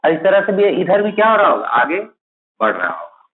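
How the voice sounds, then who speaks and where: A man's voice: high voice, sing-song, fairly quick. A man teaching math for teaching exams, who keeps asking a question and then answering it himself, repeating the key terms. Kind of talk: classroom-style lecture. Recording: tinny, phone-like, echoey room.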